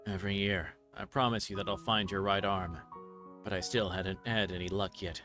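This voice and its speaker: A rueful older detective played by a man reading a visual novel speaks plainly in a fairly low voice. He is stubborn, wry and reflective. Faint music sits behind him. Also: steady tone, moderate pace, lightly acted. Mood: solemn. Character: aging male police detective, rueful and stubborn.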